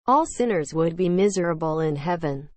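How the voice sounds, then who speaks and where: Plain-spoken, superstitious housekeeper from a classic novel, read by a female narrator: brisk, admonishing, lower-pitched, dry recording. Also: lively intonation, no room sound, natural voice. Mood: stern refusal. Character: blunt, scolding, superstitious female household servant.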